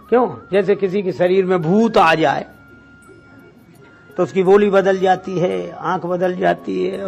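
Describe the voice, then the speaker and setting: A man's voice: sits high, gravelly. A man preaching a devotional Hindu discourse as a storyteller, posing rhetorical questions, acting out bits of dialogue and reciting verses. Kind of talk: devotional discourse retelling Ramayana episodes.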